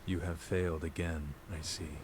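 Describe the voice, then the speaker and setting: An actor playing a sinister, grandiose, icily calm male villain in a video game, with measured menace. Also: deep voice, lightly acted. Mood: cold menace. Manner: slow, menacing, pompous. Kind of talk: dramatic video game voice acting. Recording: game audio with noisy ambience.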